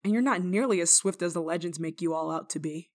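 A woman playing a stern but kind-hearted village nun in a dramatic roleplay monologue, scolding and teasing with theatrical pauses. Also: fairly low pitch, a little mellow. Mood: awed, wondering.

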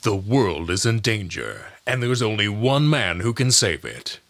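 A young man voicing a grand, dramatic movie trailer announcer with drawn-out, theatrical promo delivery. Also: on the low side, big pitch swings, a bit bright, full character voice. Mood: dramatic, hyped. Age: young adult. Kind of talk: announcer impression, trailer voice-over.

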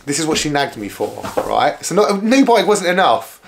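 A hoarse man in his thirties chatting casually to camera about bikes in a small living room. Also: fairly high pitch, big pitch swings, moderate pace, slight background noise. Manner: chatty, upbeat, full of filler "like"s. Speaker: bike vlogger. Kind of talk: casual vlog chat to camera. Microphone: camera close up.

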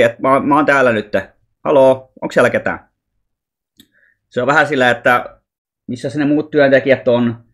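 A man's voice: medium pitch, fairly bright tone. A man with a Finnish accent, talking casually and rambling as he retells a film scene, acting out what the people in it say. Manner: rambling, many restarts, acts out the lines of the people in the story. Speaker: vlogger. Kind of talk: casual storytelling, retelling a dream as a film script.

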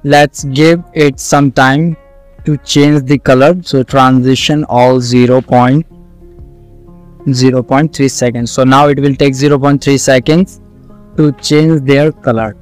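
Slow, clear South Asian man teaching. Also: medium pitch, steady tone, soft background music. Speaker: coding tutorial instructor. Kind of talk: screen-recorded tutorial, explaining step by step.

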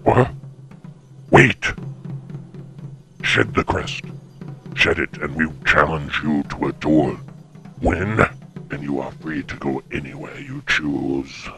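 A man playing a stern, commanding old samurai clan master in an animated drama, speaking with slow, imperious weight in a gravelly voice. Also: very deep voice, heavily acted. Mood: challenging. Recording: prominent music behind the voice.

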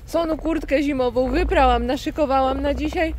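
This casual vlog chat comes from a Polish woman in her thirties, holding her phone at arm's length while walking under an umbrella through snowy city streets. She's chatty, playful and self-ironic, speaking at a moderate pace in a high-pitched, steady, darkish voice. Faint street noise and passing cars are audible.

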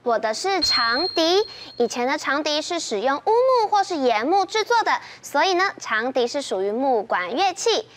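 Very high-pitched woman talking as if to toddlers. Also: big pitch swings, normal speed, few pauses. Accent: Taiwanese Mandarin. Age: young adult. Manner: cheery, simple talk as if to toddlers. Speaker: children's show host. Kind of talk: scripted children's presenting. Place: TV studio. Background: loud children's music.

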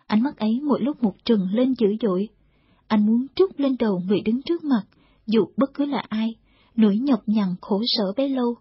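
A woman narrating a war novel in a steady, measured storytelling read, in a dull lo-fi audiobook recording. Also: a little high, breathy edge, no echo.

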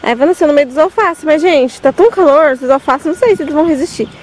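A young Brazilian woman vlogger with a Brazilian Portuguese accent chats casually to viewers while walking through her vegetable garden on a farm outdoors, pointing things out. Her voice sits high with a darkish tone and quick pace, in a low-quality recording with slight background noise.

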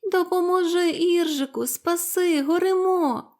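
A woman voicing a crowd of tiny ants in a storybook, calling out loud and high for help, then giving thanks. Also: a little slow. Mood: desperate. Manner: high, loud pleading cries.

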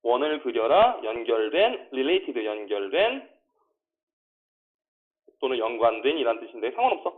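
A male teacher running a classroom English lesson, drilling pronunciation and asking quick check questions. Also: medium pitch, very animated. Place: small classroom. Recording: tinny phone-like classroom recording.

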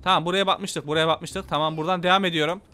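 A man with a Turkish accent giving excitable, casual gameplay commentary, talking to his viewers and swearing playfully. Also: on the high side, fast talker, soft background music. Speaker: gameplay YouTuber.

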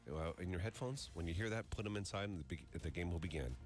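A man's voice: low voice, lively intonation, fast talker. A man in his thirties hosting a radio show with casual game-show chat, close on a studio mic. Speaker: radio morning show host. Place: small foam-padded radio studio. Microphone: close studio condenser mic. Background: music bed.

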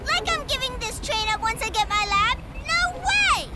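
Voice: very high-pitched, expressive, moderate pace. An actor voicing a boastful boy villain inventor in a children's cartoon, theatrical, smug and sneering. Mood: gloating. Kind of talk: animated children's cartoon acting. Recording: loud music behind.

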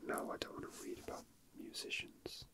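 Here the host of a toy unboxing video murmurs quietly to themselves, close-miked and in an ASMR style. Their whisper is breathy, soft, casual and slow-paced.

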